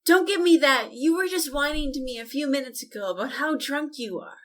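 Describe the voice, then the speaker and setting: A somewhat high female voice in an audio drama, acted by a woman. The character is a young woman who is bossy and exasperated, with a scolding, sarcastic way of talking. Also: fairly quick, a bit bright.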